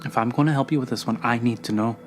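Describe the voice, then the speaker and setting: A man's voice: mid-range voice, fast talker, soft background music, natural voice. Man voicing a brash, exasperated woman ship owner. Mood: wary. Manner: blunt, colloquial, sardonic.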